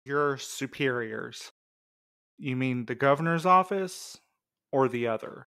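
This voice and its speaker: An actor playing a wry, skeptical courier in an audio drama, with a casual way of talking. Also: male voice, medium pitch, expressive, slow pace, bright, forceful tone, no room sound, studio quality, heavily acted. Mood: wry, challenging. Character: wry, skeptical male courier, anxious devoted husband.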